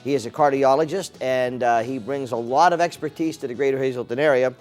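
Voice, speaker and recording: A folksy man hosts a local TV talk show, and his questions wander through fillers and restarts. His voice sits at an ordinary middle pitch. Faint music plays in the background. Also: fast, darkish tone. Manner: rambling, filler-heavy, folksy.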